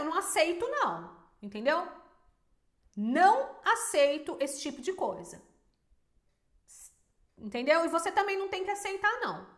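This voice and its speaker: High-voiced Brazilian woman, emphatic. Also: reverberant. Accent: Brazilian Portuguese. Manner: emphatic and animated, lots of rhetorical questions. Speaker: small business owner and teacher. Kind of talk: casual advice to viewers.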